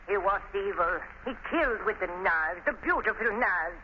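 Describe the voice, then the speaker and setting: An actress playing a frightened foreign widow and stage knife thrower in 1930s radio style, with accented, halting, dramatic broken English. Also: female voice, medium pitch, animated, lightly acted. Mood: intense, bitter. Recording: noisy, dull 1930s radio recording.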